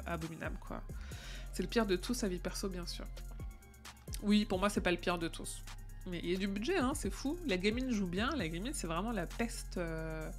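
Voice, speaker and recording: Chatty woman streamer, faint music behind. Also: mid-range voice. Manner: chatty, with many fillers and restarts. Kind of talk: casual live-stream chat.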